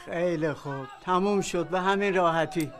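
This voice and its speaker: An actor playing a calm older male stranger with a white beard who settles a quarrel in measured, pious words. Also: a little high, crowd noise, natural voice. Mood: mediating. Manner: measured, soothing, pious phrasing.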